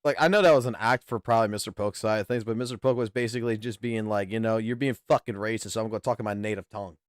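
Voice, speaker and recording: A man's voice: lowish voice, fairly even intonation, rapid-fire, no echo, studio quality. A man chatting casually as co-host, blunt and interjecting, swearing often. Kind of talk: casual chat.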